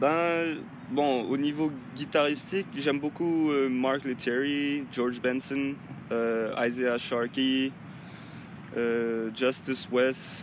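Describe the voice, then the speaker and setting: Very slow speech with long, frequent pauses, fairly even intonation and very even loudness. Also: man, medium pitch for a man. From Tahiti. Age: 20s. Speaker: guitarist and guitar teacher. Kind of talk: interview. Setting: outdoors in a park. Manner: halting, many fillers.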